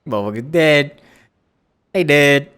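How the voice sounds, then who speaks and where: A man's voice: on the high side, drawn-out words, fairly bright tone, clean tone. Rambling male streamer. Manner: rambling, laughing, restarts. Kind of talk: casual reaction commentary.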